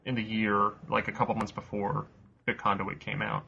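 A man hosting a casual podcast quiz, reading out questions slowly, cursing offhandedly and laughing often. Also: lowish voice, little pitch movement, gravelly, pushed and bright, dull audio, slight background noise. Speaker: quiz host.

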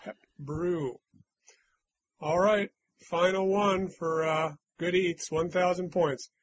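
Male quiz host, playful and teasing, slightly high husky voice, dry close sound. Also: fairly even intonation, slow pace, dry recording, low-quality recording. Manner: playful, teasing, hums little doot-doot jingles. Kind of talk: casual podcast quiz reading.

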